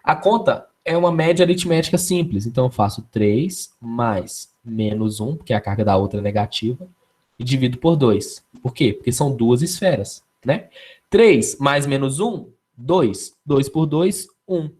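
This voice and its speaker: A man's voice: mid-range voice, expressive, normal speed, a little mellow, slightly rough. A man with a Brazilian Portuguese accent teaching a live online physics class, casual and constantly checking in with his students.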